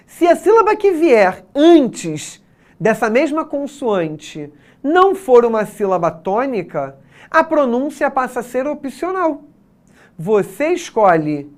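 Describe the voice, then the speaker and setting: A woman with a Brazilian Portuguese accent teaching an exam prep lesson, explaining step by step and checking in with her students. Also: fairly high pitch.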